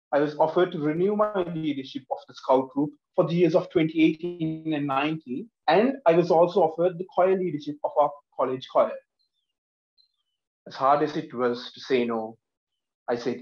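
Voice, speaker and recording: A man's voice: on the high side, moderate pace. A young man from Sri Lanka in his twenties, standing in his living room and giving an earnest, emphatic prepared speech while gesturing with both hands. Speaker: speech contestant. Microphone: laptop camera across the room, headphones on. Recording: echoey room, dull lo-fi sound.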